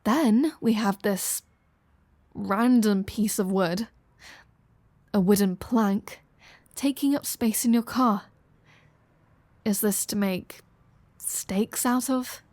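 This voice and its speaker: Woman acting as a flirty vampire, female, unhurried pace, dry sarcasm, playful teasing, close dry sound, audio roleplay. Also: medium pitch, darkish tone, no room sound, natural voice. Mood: sardonic, teasing. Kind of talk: audio roleplay addressed to the listener.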